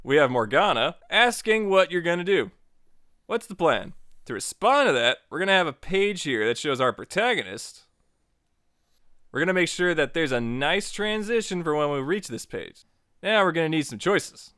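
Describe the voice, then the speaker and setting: A man's voice: fairly high pitch, sing-song, normal speed, sharp tone, clear, resonant tone, no room sound, clean studio sound. A man narrating a scripted but casual tutorial as its host, with playful, joking asides.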